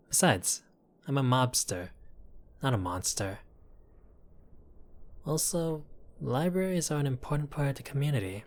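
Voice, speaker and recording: Male mob boss acted by a man for audio roleplay: unhurried, wry, courteous, a smooth-talking criminal charmer. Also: mid-range voice, lightly acted. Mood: apologetic, reassuring. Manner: unhurried, flirtatious, wry, addressing listener as doll. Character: apologetic, charming mobster, exasperated yet courteous. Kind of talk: intimate audio roleplay acting.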